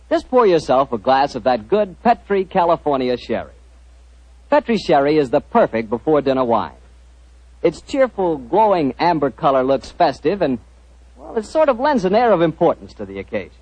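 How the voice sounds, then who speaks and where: A man working as a radio announcer and host, with a smooth, persuasive pitchman manner, in 1940s style. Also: a little mellow, no room sound. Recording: muffled old radio broadcast.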